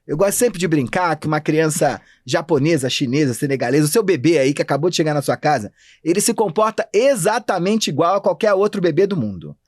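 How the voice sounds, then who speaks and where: A Brazilian man, an anthropologist, talking fast and animated in a casual podcast interview. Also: fairly high pitch, dry recording, clean studio sound. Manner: animated, talks fast and thinks aloud. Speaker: anthropologist guest.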